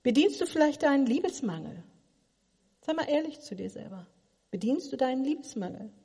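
A woman's voice: sits high, sing-song, brisk, dark tone, breathy edge. A middle-aged woman giving a sermon, asking her listeners earnest, probing questions. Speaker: preacher. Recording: long hall reverb.

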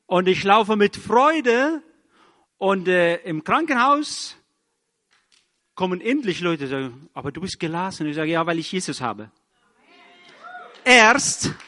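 A middle-aged man, a surgeon, telling his church testimony in an earnest, animated way, with slightly broken German grammar. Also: high voice, takes it slowly, long pauses, big-room sound. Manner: earnest, animated storytelling with acted quotes and repetitions.

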